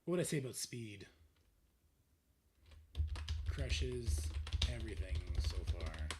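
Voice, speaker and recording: A man's voice: lowish voice, sing-song, slow, noisy background. Man with a tired, strained streamer voice. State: losing his voice, strained throat. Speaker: live streamer. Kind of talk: casual gaming livestream chat.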